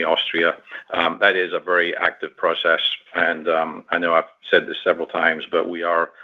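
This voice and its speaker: A man, a company executive, answering analyst questions on a conference call in a measured, explanatory way. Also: sits low. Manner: measured, explanatory, some fillers. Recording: tinny phone line.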